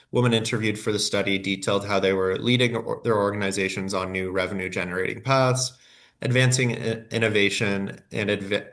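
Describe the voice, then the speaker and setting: A man's voice: on the low side, a bit bright. A man with a head cold and a nasal voice, giving a scripted workshop presentation with frequent fillers and self-corrections.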